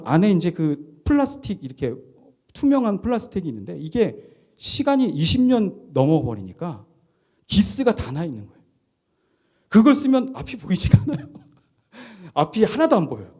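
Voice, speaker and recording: Animated middle-aged male pastor. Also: high-pitched, slightly rough. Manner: lively anecdotal telling, chuckling often. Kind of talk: sermon with personal storytelling.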